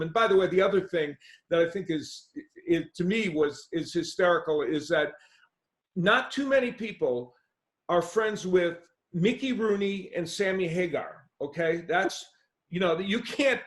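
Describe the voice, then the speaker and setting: A man hosting an interview, casually rambling and restarting his questions as he goes. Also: fairly high pitch. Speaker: interviewer and host. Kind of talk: conversational interview. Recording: roomy echo.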